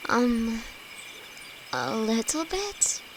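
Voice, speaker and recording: A woman's voice: on the high side, huge pitch swings, very slow, heavily acted. A woman acting a timid, affectionate young apprentice alchemist in an intimate audio roleplay, nervous, stammering and hesitant, speaking to her best friend. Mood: shy, nervous. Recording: insect and cricket noise behind voice. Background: night forest ambience with crickets.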